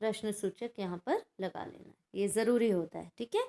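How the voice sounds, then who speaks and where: A woman's voice: mid-range voice, moderate pace, warm tone. A woman teaching a Hindi grammar lesson to schoolchildren, explaining patiently and checking in often with her class.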